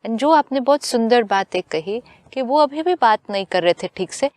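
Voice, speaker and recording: A woman with an Indian accent, a spiritual teacher speaking slowly and gently in a calm conversation. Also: a little high, dry recording. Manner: slow, gentle, deliberate speech mixing in English phrases.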